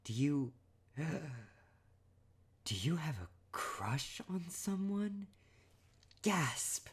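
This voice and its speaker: A young man in an ASMR boyfriend roleplay, talking playfully and teasingly, laughing often and sometimes dropping to a hush. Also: fairly high pitch, sing-song, drawn-out words, husky. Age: young adult.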